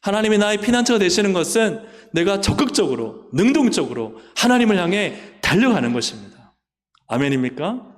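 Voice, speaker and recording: A male pastor preaches with emphatic, fervent delivery, his voice set fairly high. He speaks into a pulpit microphone in a church sanctuary. The sound trails off into a long hall reverb. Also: very animated, fairly quick. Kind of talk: sermon.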